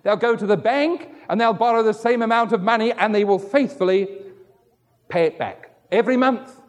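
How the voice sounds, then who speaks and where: A man's voice: moderate pace, in a large hall. A middle-aged male pastor preaching a sermon who tells stories and acts out the voices of the people in them. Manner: storytelling, acts out quoted voices with wide pitch swings.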